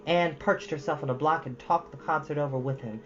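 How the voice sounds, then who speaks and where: A woman's voice: sits low, brisk, highs cut off, music in the background. A woman hosting storytime, reading expressively and chatting casually to listeners. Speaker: storytime host and reader.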